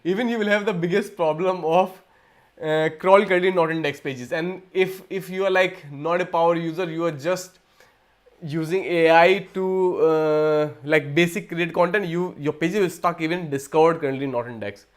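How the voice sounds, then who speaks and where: A man from India hosts a casual livestream Q&A, his voice sitting a little higher than most men's. He rambles, restarting sentences and repeating words as he goes, talking into a computer mic. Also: moderate pace. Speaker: livestream host. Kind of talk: casual live Q&A talk.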